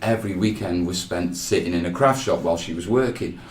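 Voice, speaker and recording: A man with a Welsh accent at a fairly quick pace, with audible room echo. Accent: Welsh-tinged British English. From North Wales, then England from age 15. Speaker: YouTube terrain hobbyist, kickstarter creator. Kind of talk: podcast interview, casual chat.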